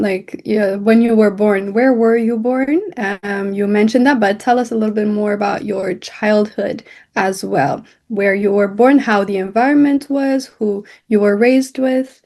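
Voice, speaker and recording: A woman with a middle-pitched voice hosts an interview. She sounds friendly and encouraging, asking questions with the odd um along the way. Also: steady tone, moderate pace, darkish tone. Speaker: interview host. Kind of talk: hosting an interview.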